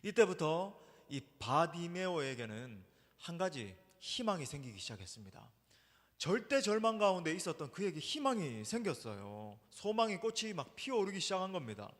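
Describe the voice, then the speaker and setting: A male pastor preaches with a high, lively voice that swings up and down for emphasis. He keeps calling out to the congregation. His voice carries a long reverb through a church sanctuary. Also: moderate pace. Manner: emphatic, addresses the congregation often. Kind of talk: sermon.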